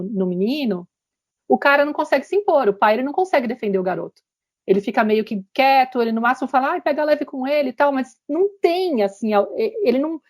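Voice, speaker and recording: A woman hosting a podcast, retelling a story in a lively, animated way and acting out the quotes. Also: fairly high pitch. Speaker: podcast host. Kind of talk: casual podcast chat.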